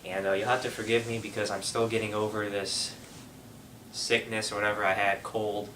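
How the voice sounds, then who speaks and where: A man's voice: lowish voice, little pitch movement, moderate pace. Young man, stuffy from a cold, casual rambling gamer talk, roomy echo, slight hiss. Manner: rambling, frequent fillers and restarts. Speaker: gaming channel host. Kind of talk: casual vlog update. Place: room at his family home. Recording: echoey room, mic at a distance.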